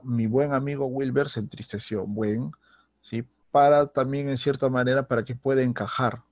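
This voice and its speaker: A man's voice: lowish voice, creaky, a little mellow, no room sound, highs cut off. A Peruvian man teaching a recorded grammar lesson, who keeps checking in with the student and restarts his phrases often. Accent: Peruvian Spanish. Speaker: secondary school teacher.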